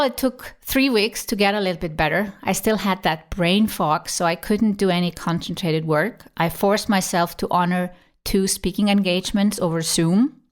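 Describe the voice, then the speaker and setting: Woman with a slightly shaky, recovering voice. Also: fairly low pitch. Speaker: podcast host. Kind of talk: personal storytelling monologue.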